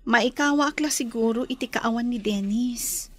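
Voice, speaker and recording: A woman's voice: on the high side, normal speed, fairly bright tone. A woman voicing an earnest young woman who misses her sweetheart, in a radio drama.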